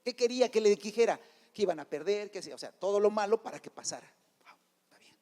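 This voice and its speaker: High-voiced preacher in a hall. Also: male voice, animated, fast, warm tone. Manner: storytelling, acting out the biblical characters' dialogue; colloquial Mexican slang, addressing listeners as brother. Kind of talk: sermon. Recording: reverberant church hall.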